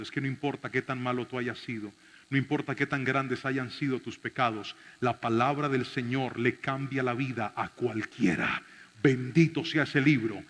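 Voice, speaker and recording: A male pastor telling a story in a sermon, dramatic, swinging from shouts to hushed tones. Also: mid-range voice. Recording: reverberant hall.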